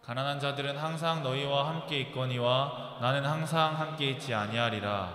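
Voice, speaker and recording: A man reading scripture slowly and softly in a solemn tone. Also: mid-range voice. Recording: echoey church hall.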